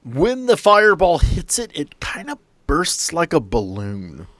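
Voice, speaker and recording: A man's voice: fairly high pitch, wildly swooping pitch, a little slow, fairly bright tone, no echo. Man narrating a tabletop horror game. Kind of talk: improvised game narration and rulings.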